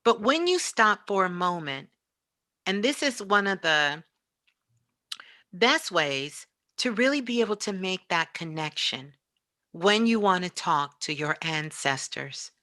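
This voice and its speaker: Bright-voiced woman giving an unhurried spiritual talk. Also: fairly low pitch, expressive, no echo, studio quality. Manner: emphatic, preaching, repeats phrases for effect. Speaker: spiritual teacher and guest speaker.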